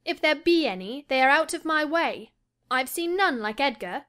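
A woman playing a willful, troubled young gentlewoman in a dramatized audiobook, earnest and dramatic. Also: high voice, animated, normal speed, pitched above the performer's own voice. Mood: stubborn. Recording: music under the voice.

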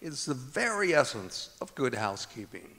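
Slick, genial old-time radio pitchman, played by a man: very animated, polished, on an echoing auditorium stage. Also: normal speed. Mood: genial, selling. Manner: polished salesman patter. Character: genial, slick radio announcer plugging a product. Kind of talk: 1940s radio acting. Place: auditorium stage, live performance.

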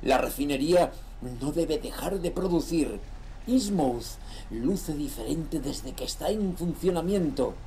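Creaky-voiced greedy sea trader played by a man. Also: fairly high pitch, expressive, a little slow, warm tone. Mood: stubborn, defiant. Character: greedy, ruthless 19th-century sea trader recording his journal. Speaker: voice actor in an audio horror series. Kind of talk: dramatized diary reading, horror audio drama.

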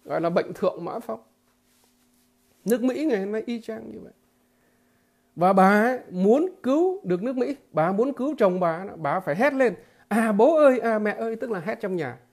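A man giving a political commentary monologue to his viewers, halting and repeating filler words, emphatic and blunt. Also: high voice, animated. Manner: emphatic, with blunt crude imagery.

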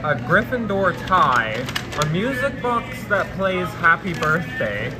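A man's voice: high voice, very animated, slow, heavy background noise. A man casually narrating his trip for a travel vlog, with dry, matter-of-fact remarks, recorded on a handheld phone. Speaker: vlogger. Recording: loud crowd and music behind.

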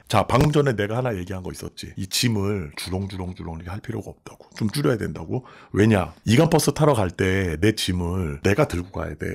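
A middle-aged man with a cold speaks in a low, gravelly, husky voice, hoarse and a little cracked. He talks to viewers in a blunt, chatty way into a studio mic in a small room. Faint music plays behind him. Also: a little mellow. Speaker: channel host sharing prison life stories. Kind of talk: casual storytelling monologue. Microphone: large studio mic on a stand.

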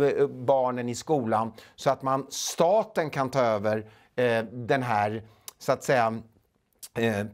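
Swedish man in his 40s, interview guest, halting delivery, lots of fillers, lapel mic. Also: mid-range voice. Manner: halting, many filler sounds. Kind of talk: studio interview. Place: small studio.

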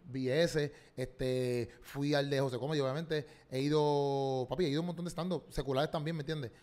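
A young man with a Puerto Rican accent, a Christian comedian chatting on a podcast in slangy, animated storytelling that acts out quotes. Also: mid-range voice, normal speed. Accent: Puerto Rican Spanish. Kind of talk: casual podcast chat.

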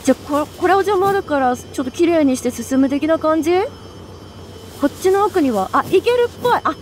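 A woman streamer giving excitable, chatty commentary while playing a video game, full of quick exclamations. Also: high voice, slight background noise. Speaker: let's play streamer. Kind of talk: live gameplay commentary.

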